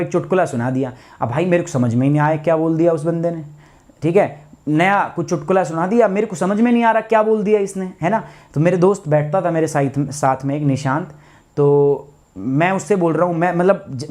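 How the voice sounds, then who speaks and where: A man's voice: high voice, darkish tone. A man, a teacher telling a personal story to students in a live online class, chatty and anecdotal.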